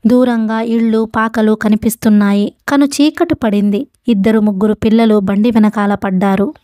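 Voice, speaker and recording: Warm-voiced woman reading a novel aloud. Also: medium pitch, no room sound, clean studio sound. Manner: steady, measured narration. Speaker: narrator.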